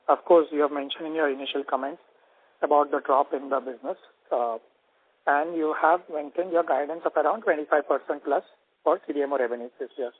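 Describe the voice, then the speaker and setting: A man's voice: fairly high pitch, a little fast, no echo. A man with an Indian accent asking questions as an analyst on an earnings call, polite, wordy and hesitant. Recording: dry narrow telephone line.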